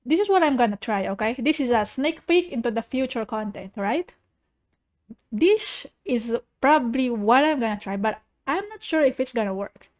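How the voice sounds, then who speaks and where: A woman's voice: a little high, big pitch swings, moderate pace. A woman streamer chatting casually as she reacts to videos, playful and rambling, with a giggly manner. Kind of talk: casual livestream reaction chat. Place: living room.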